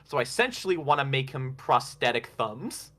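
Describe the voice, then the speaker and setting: Calm man explaining game rules. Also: mid-range voice, normal speed. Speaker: player.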